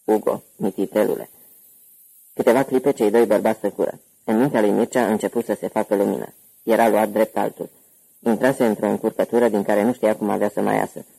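A male audiobook narrator with a low, gravelly voice. His tone is dark and somewhat husky. He reads the scripted story at a steady, even pace. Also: rough recording.

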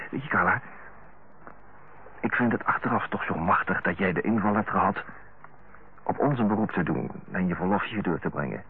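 A man's voice: low voice, normal speed, long pauses, a little hiss or hum. A male actor playing an earnest, affectionate middle-aged younger brother in a radio drama, speaking hesitantly and correcting himself as he searches for tactful, frank words. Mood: hesitant, coaxing. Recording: tinny narrow-band old radio recording.

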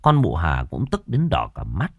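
A man narrating a horror story in a dramatic, expressive storytelling style. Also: sits low, normal speed, gravelly, husky, no room sound, clean studio sound. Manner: expressive, swinging dramatic delivery.

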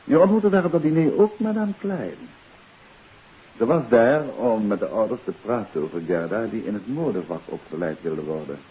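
A man plays a composed, probing detective in a vintage radio play. His low voice moves expressively as he presses his questions in measured phrases. The old recording is narrow and phone-like, with slight hiss. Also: expressive, lightly acted. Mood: calm, probing. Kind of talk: 1950s Dutch radio drama acting.

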